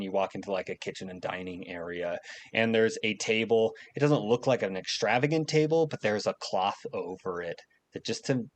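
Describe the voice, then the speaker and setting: A man's voice: lowish voice, slight background noise. A man narrating a tabletop game as game master, rambling with many fillers.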